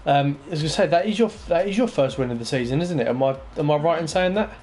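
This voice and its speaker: A man's voice: a little high, expressive, fast, crowd noise. A man hosting a casual post-race interview, matey and chatty with frequent ums and restarts. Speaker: interview host.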